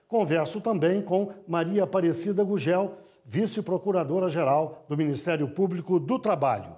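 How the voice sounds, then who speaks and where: At a moderate pace, a man with a high pitch and a dark, mellow tone keeps his loudness very even. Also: ordinary pitch variation, quiet background. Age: 60s. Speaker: radio and TV interviewer. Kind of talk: interview. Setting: video call. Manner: formal.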